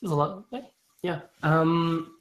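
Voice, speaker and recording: A man's voice: fairly high pitch, steady tone, takes it slowly, a bit bright. A man hosting a casual live-stream book chat who hesitates a lot, with frequent ums, restarts and laughs. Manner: laughs often while talking. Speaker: booktube host.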